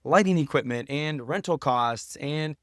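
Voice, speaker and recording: Casual, earnest man, slightly high voice. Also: a little slow, no echo, clean studio sound. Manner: earnest, informal, peppered with "you know" and "like". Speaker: podcast guest, professor and documentary maker. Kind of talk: casual conversational interview answers.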